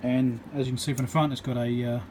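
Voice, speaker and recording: A man's voice: mid-range voice, level tone, fast, darkish tone. Casual New Zealand man, faint background hum. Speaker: electronics repairer presenting his work. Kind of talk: casual unscripted repair walkthrough. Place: indoor workbench.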